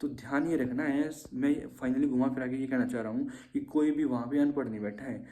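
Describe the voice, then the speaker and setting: A man's voice: mid-range voice, fairly even intonation, brisk, dark tone, reverberant. A man coaching shorthand exam students in an informal lesson, with a habit of repeating "theek hai". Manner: informal and repetitive, often adds "theek hai". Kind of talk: casual exam-tips lesson.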